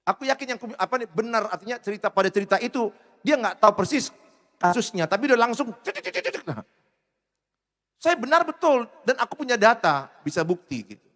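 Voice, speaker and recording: A man preaching a sermon as pastor, speaking in a humorous, animated way. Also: extremely high pitch, quick pace. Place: church hall. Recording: reverberant church hall.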